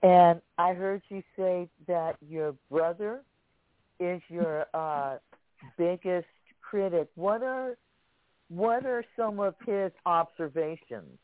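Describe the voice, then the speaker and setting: Slow-talking male interviewer on a phone line. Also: high-pitched, no room sound. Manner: slow, halting questions with fillers. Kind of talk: radio interview. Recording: dry, narrow phone-like sound.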